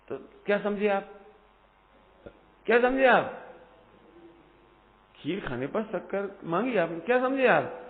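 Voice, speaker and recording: A man giving a devotional discourse to a hall audience, animated and questioning his listeners, rising to loud emphatic peaks. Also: high voice. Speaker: Jain discourse speaker. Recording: phone-like audio in a reverberant hall.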